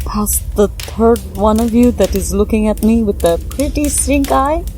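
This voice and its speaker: Higher-voiced woman player over music. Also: moderate pace, mellow. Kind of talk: casual tabletop play and character narration. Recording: music behind the voice.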